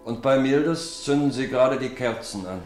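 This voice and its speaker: A man playing a poor, careworn, gentle father in a German radio play. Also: medium pitch, normal speed, reverberant, soft background music, lightly acted. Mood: subdued, consoling.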